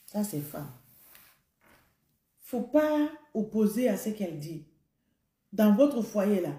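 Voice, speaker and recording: A woman's voice: mid-range voice, mellow. A woman giving a humorous advice monologue to the camera, emphatic and repeating her points as she speaks directly to the listener. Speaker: vlogger. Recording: roomy echo.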